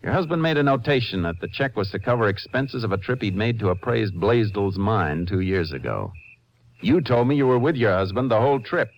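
Low-voiced, laconic Texas Ranger. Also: male voice, animated. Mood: firm, confident. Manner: laconic, folksy, unhurried authority. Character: steady, shrewd male Texas Ranger investigator. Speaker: lead actor and narrator. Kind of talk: 1950s radio drama acting. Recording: noisy vintage radio recording.

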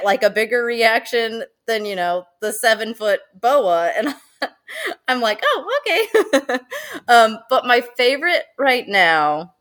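A woman zoo educator talks in a relaxed interview, her voice a little lower than most. She is animated, slips into quick excited quoted asides and laughs often. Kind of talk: casual interview chat.

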